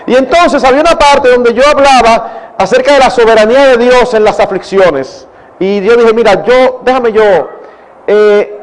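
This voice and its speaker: A man's voice: very high voice, a little hiss or hum, poor audio. An older man with a Dominican accent, a pastor answering questions at a church conference, earnest and digressive, calling the audience brothers. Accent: Dominican Spanish. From Dominican Republic. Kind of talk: conference Q&A talk.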